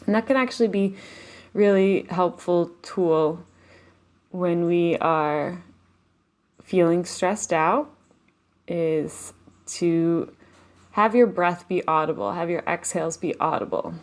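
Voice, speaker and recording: A woman leading a live guided meditation, speaking softly and slowly with long pauses and audible sighs. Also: on the low side. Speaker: meditation teacher. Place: home, live online session.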